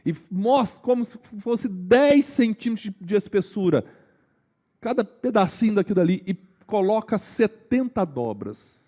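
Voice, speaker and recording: A Brazilian man preaching a sermon in a conversational way. He keeps asking his congregation questions, sometimes dropping to a slow hush and sometimes rising with energy. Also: high-pitched. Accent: Brazilian Portuguese. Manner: swings between hushed, slow emphasis and raised, energetic delivery. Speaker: pastor.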